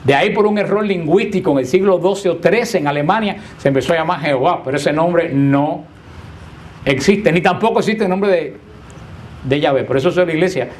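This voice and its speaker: In a room with a live group, a man teaches a Bible class in a conversational way, frequently putting questions to his listeners and teasing them playfully. His voice sits fairly high, moves a little fast, and sounds a little mellow.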